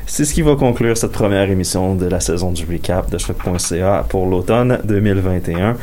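A woman's voice: a bass voice, brisk, dark tone, slight background noise. A woman with a Québécois accent co-hosts a casual radio show, giving short reactions and closing the episode. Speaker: co-host.

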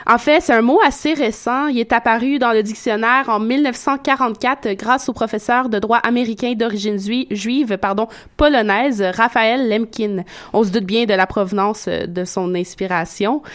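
A woman's voice: fairly high pitch, fairly even intonation, normal speed, few pauses. A woman giving a radio segment, explaining facts step by step in a conversational way. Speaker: radio columnist.

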